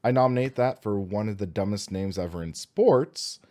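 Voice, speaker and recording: An American man in his twenties with a slightly hoarse voice, chatting casually and enthusiastically as he hosts a gaming livestream. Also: fairly low pitch, moderate pace, dark tone. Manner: upbeat, enthusiastic, informal. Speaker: host of a sim racing livestream.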